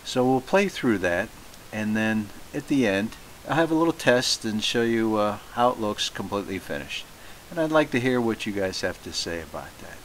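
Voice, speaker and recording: A man giving a casual, plain-spoken narration of his hobby radio restoration, with frequent filler pauses. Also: on the low side, animated, a little hiss or hum, rough recording.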